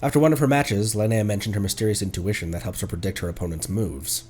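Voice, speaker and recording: A man's voice: lowish voice, fast talker, darkish tone. A man streaming a game, giving casual, playful commentary as he plays.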